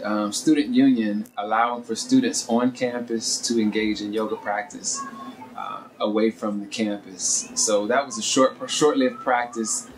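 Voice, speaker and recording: A man in his forties recalling how he took up yoga, in a relaxed and conversational way. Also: fairly low pitch, background noise. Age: 40s. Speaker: interviewee. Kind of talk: documentary interview.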